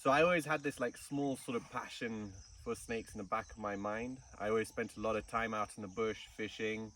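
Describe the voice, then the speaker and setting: Male guest from Kenya, relaxed storyteller, interview recorded at a distance outdoors. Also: fairly low pitch, fairly quick. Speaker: snake farm curator. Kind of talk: casual interview. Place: outdoors in the bush. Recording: distant mic with faint insect noise.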